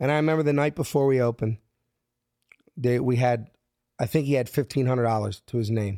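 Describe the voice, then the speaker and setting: A man's medium-pitched voice, very fast yet broken by long, frequent pauses, with ordinary pitch variation, very even loudness, a dark, mellow tone and a dry, close sound with no echo. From South Philadelphia, US. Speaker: restaurant owner and entertainer. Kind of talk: interview storytelling. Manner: animated.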